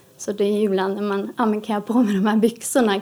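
At a moderate pace and with fairly even intonation, this is an unremarkable speaking voice. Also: woman. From Sweden, Dalarna. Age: 20s. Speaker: podcast guest sharing personal story. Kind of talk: personal interview, testimony.

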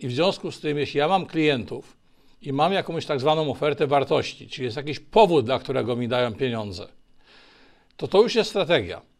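The background is silent on this very clean recording. Intonation rises and falls in a lively way. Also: man, fairly high pitch for a man. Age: 60s. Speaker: business consultant. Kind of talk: interview. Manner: fluent.

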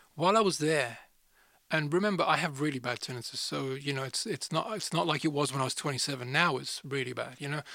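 A man with a Birmingham accent speaks very fast in a fairly high voice. His tone is bright and sharp, and the recording is very clean with a silent background. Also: ordinary pitch variation. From England, Birmingham. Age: 40s. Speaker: singer and songwriter. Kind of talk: interview about personal story.

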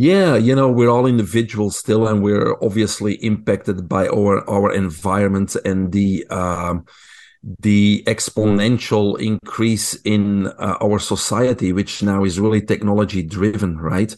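A man with a Belgian accent speaks at a fairly low pitch and a fairly slow pace, with hardly any pauses. His loudness stays very even, and his intonation is fairly even. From Belgium. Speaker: health and performance expert. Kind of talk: interview.

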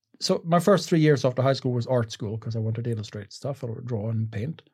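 A man with a medium pitch sounds somewhat breathy, with ordinary pitch variation. The recording is very clean, with a silent background. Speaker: game studio operations director. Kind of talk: casual chat. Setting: studio.

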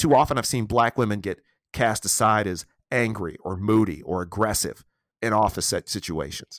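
In a very clean recording with a silent background and a dry, close sound with no echo, a man with an American accent uses a normal speaking voice at a fairly low pitch, moderate pace and ordinary pitch variation. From Michigan. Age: 40s. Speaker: journalist and podcaster. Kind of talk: interview testimony.

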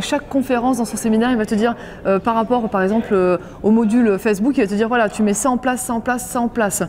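Over noticeable background noise, a woman with a fairly high pitch talks at a very fast pace with fairly even intonation. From northern France, Dunkirk. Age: 20s. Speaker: property investor. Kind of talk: testimonial.

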